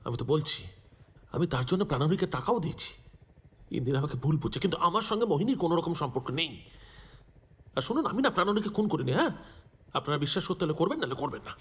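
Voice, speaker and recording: Nervous guy denying a murder, husky voice, pitch jumping around. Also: very animated, fast, pauses often, a bit bright, full character voice. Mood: defensive. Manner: defensive, pleading, mixing in English phrases. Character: defensive man accused of murder, anxious. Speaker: suspect being questioned in a film. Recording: film soundtrack with faint music.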